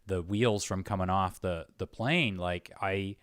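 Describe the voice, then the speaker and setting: Low-voiced man, reflective interviewer. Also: unhurried, fairly bright tone, no room sound, clean studio sound. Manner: searching for words, repeating phrases. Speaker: interviewer, host. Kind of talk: casual reflective conversation.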